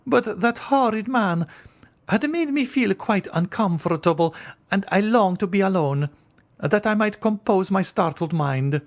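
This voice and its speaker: An anxious, superstitious countess played by a male narrator, pitched far above his natural voice. She is coaxing and imperious, stressing her formal phrases dramatically, as in a classic audiobook. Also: lively intonation, unhurried. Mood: anxious, pleading. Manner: dramatic, emphatic, formal old-fashioned phrasing. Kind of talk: audiobook character acting.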